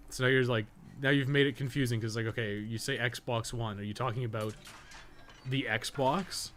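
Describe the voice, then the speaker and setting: A man's voice: mid-range voice, noisy background. A man rambling casually on a gaming live stream, swearing often as he talks. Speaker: gaming streamer and podcast co-host. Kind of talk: casual live-stream chat while playing.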